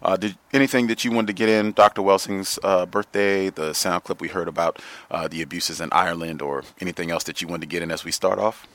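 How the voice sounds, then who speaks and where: A male radio host with an extremely low, deep voice. He speaks in a measured way and pauses often on "uh" between phrases as he talks to callers. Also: steady tone, a bit bright, no echo. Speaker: host of a call-in radio show. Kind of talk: call-in talk radio hosting.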